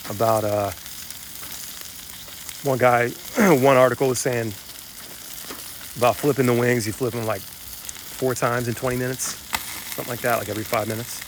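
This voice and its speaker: A man on a casual live stream from his phone, rambling and swearing as he talks with his mouth full and often clears his throat. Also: medium pitch, background noise. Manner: talks while eating. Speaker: musician livestreaming to fans. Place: at home grill, cooking dinner. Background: sizzling food on the grill.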